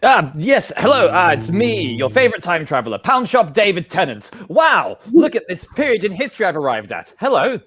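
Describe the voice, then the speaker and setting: A man's voice: high-pitched, sing-song, moderate pace, hardly any pauses, crowd noise. A man doing a bumbling bargain-bin time traveller. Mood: chirpy. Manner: flustered, chirpy. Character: bumbling cheap knockoff male time traveller. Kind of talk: improvised comedy scene.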